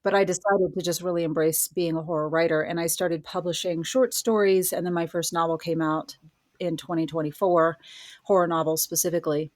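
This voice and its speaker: A woman's voice: lowish voice, fairly even intonation, brisk, dry recording. A middle-aged woman telling her own story in a casual interview, articulate and self-deprecating. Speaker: podcast guest, horror writer and college professor.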